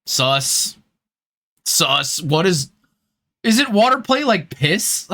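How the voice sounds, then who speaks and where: A man with a fairly high voice and very animated intonation hosts a gaming livestream. He talks casually to his chat, joking around in loose slang and the odd swear word. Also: slow. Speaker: streamer and host of a live gaming stream.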